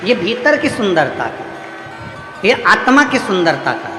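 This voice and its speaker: High-voiced man preaching in an echoey hall. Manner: repetitive, rhythmic preaching with rising emphasis. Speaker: religious storyteller. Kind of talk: devotional sermon. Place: large hall at a religious gathering. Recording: echoey hall with music behind.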